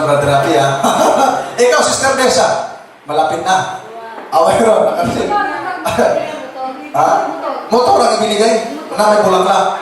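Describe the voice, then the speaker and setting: A male pastor gives a humorous sermon, joking with the congregation, laughing often, and dropping English words into his talk. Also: sits high. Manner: jokes with the crowd and laughs often; keeps addressing the listeners as brothers and sisters. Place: church. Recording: very echoey church from a distance, noisy.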